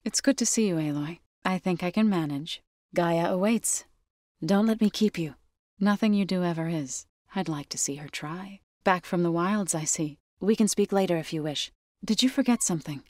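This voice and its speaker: A resolute tribal woman warrior and healer from a video game, acted by a woman. She speaks with earnest conviction in measured, formal phrasing. The recording is close and dry, with no room sound. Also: fairly low pitch, a little mellow, no room sound, lightly acted. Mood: calm, friendly. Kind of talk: game character voice lines.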